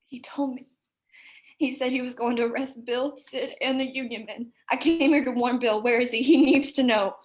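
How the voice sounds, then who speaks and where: An actress plays a young woman with a high voice, frightened and desperate yet fiercely defiant. Her delivery is earnest and emotional, in the manner of a drama table read. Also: steady tone, normal speed, lightly acted. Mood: distraught, pleading. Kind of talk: screenplay table read acting.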